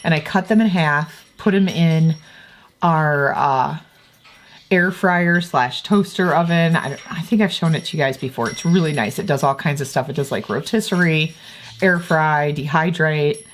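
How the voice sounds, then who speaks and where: Mom in her 50s vlogging from home, deep-ish voice, chatty and rambly. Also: moderate pace, slight background noise. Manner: chatty and rambling, self-correcting. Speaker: vlogger and homeschooling mother. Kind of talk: casual vlog chat. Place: at home indoors.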